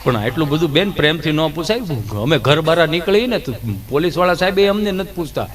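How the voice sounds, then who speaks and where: A man voicing his nervous, wisecracking friend who answers in a deadpan, stammering way. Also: fairly high pitch, brisk, close to an everyday voice.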